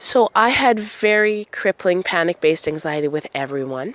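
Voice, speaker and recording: A woman's voice with very wide pitch swings, fairly slow delivery, and a dry, close sound with no echo. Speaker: social anxiety coach. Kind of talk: personal testimony.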